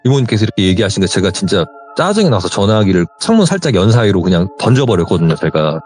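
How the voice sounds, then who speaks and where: Male guest storyteller, deep, very expressive delivery, voices the people he quotes. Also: fast talker, faint music behind. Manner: animated, acts out quoted dialogue. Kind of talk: recounting a true ghost story.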